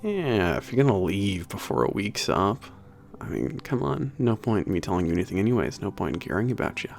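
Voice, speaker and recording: A man playing a teasing werewolf trainer with a bit of an attitude in an ASMR roleplay, gravelly, casual and hesitant in his banter. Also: on the low side, sing-song, a little fast, darkish tone, soft background music. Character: teasing, gruff-edged male werewolf trainer at a spaceport. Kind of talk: ASMR roleplay, naturalistic one-sided conversation.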